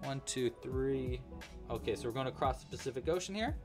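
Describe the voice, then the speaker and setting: A man's voice: medium pitch, expressive, fairly quick, over music. Chatty young man hosting a crochet stream. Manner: chatty, counts stitches aloud, thanks donors. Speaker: crochet livestream host. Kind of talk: casual livestream crochet tutorial.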